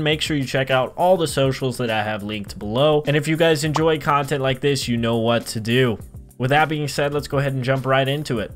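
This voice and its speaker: A man in his thirties narrating a scripted tutorial as a channel host, speaking into a close microphone. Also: mid-range voice. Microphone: close broadcast microphone on a boom arm.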